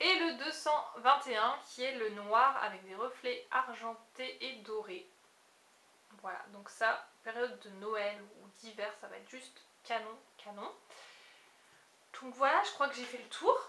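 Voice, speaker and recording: A woman with a Picard accent speaks at a high pitch and a very slow pace, with long, frequent pauses, big swings in loudness, ordinary pitch variation and audible room echo. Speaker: beauty vlogger. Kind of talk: haul video, casual product review. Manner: hesitant, many fillers.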